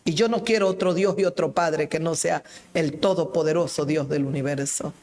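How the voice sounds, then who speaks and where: A woman's voice: sits low, moderate pace, darkish tone. A woman evangelist delivers a fervent radio sermon. She speaks straight to her listeners and presses her points with conviction. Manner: impassioned preaching, addressing listeners directly. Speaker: evangelist and radio program host.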